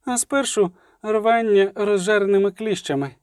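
A man voicing an excitable young male poet who talks high, breathless and alarmed. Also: normal speed, clear, resonant tone, no echo, studio quality, close to an everyday voice. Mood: gloomy.

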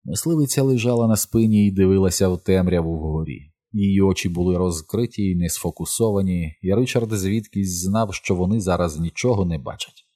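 A male audiobook narrator reading a novel in a steady, measured way. His voice is very low and mellow. It has a husky, slightly breathy grain. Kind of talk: scripted narration.

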